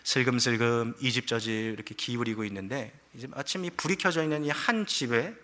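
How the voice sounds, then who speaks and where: A male pastor delivering a sermon, earnest and animated as he tells a folktale. His voice is bright and forward, at a middle pitch for a man. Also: fairly quick.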